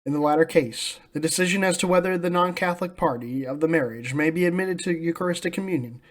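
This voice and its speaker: Higher-pitched American man, solemn religious commentary. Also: fast. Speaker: host of a religious commentary channel. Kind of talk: scripted polemical commentary.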